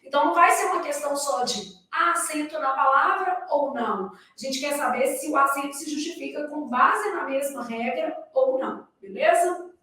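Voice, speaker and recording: A woman's voice: high voice, normal speed, sharp tone. Brazilian woman, grammar teacher, rhetorical questions, voice from a distance. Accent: Brazilian Portuguese. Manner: explains in a didactic tone, asks the class rhetorical questions. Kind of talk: recorded lecture for exam candidates. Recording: echoey room, voice far from the mic.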